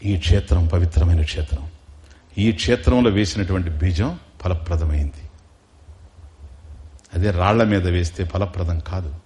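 A man's voice: low voice, darkish tone. A man giving a religious discourse, telling a devotional story, asking his listeners questions and acting out the characters' lines. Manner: slows down for emphasis, chants Sanskrit verses. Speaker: spiritual discourse speaker.

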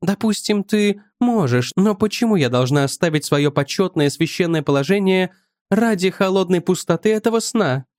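A man's voice: high-pitched, animated, moderate pace, a little mellow, no echo, clean studio sound, voice pushed up. A man voicing a dreamy, capricious young woman, a sacred courtesan, in an audiobook. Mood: defiant. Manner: wondering, capricious. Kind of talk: audiobook character voice.

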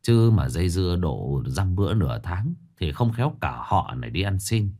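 A man narrating a ghost story, voicing the characters with lively delivery. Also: sits low, moderate pace, breathy edge. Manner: lively, animated telling with voiced dialogue.

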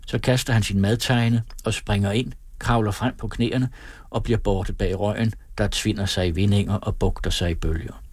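A man reading a novel aloud as an audiobook narrator, calm and measured in his storytelling. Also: lowish voice, no echo, studio quality. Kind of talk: scripted narration.

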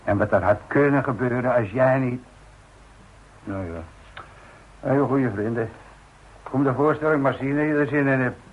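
Radio drama schemer, played by a man: cocky, needling, mid-pitched voice, tinny old recording with some hiss. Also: moderate pace, pauses often, lightly acted. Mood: teasing, familiar. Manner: breezy, teasing, dismissive. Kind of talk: Dutch radio play acting.

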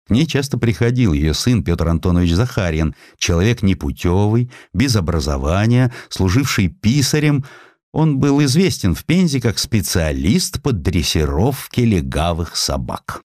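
A man with a deep, slightly mellow voice narrates literary text as an audiobook reader, using a theatrical storytelling delivery. The scripted narration is expressive, and the recording is clean studio sound with no room echo.

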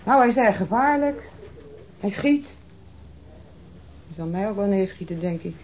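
A woman's voice: medium pitch, animated, normal speed, darkish tone, close to an everyday voice. Actress as a brash, defiant woman informant, muffled recording. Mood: warning, uneasy. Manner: sneering, brash, coarse-mouthed. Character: defiant, streetwise woman informant questioned by police. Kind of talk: radio drama acting. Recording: muffled, noisy old radio drama recording.

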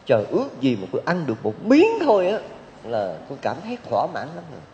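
Monk doing a poor country man, pleading, mellow, echoey hall. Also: medium pitch, huge pitch swings, fast, slight background noise. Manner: pleading, longing. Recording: dull hall recording with long reverb.

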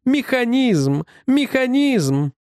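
A man voicing an excited male scientist who urges his colleagues on, in an insistent, exclaiming voice. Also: high voice, moderate pace, no echo, studio quality, pitched above the performer's own voice, close to an everyday voice.

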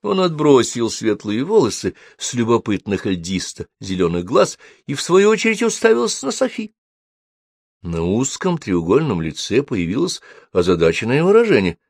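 A man reading a fantasy novel aloud with expressive storytelling. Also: mid-range voice, moderate pace, gravelly, dry recording, studio quality. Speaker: audiobook narrator. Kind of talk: scripted narration.

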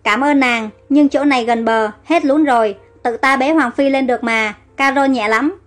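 A woman's voice: sits high, moderate pace, soft background music, natural voice. A woman voicing a young male pharaoh who is affectionate and reassuring, in a storybook reading. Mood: calm. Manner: tender, reassuring.

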